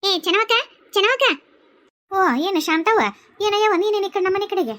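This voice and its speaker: A woman's voice: very high voice, a little fast, fairly bright tone. A woman with a North Karnataka accent voicing bickering village women in a comedy cartoon. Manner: bickering, scolding village banter. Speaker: cartoon storyteller voicing all characters.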